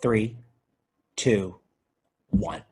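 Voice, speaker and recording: A man's voice: on the low side, fairly even intonation, extremely slow, dark tone, breathy edge, heavily acted. A man playing a dry, solemn, dramatic video-store clerk in a comedy table read. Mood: deadpan, solemn.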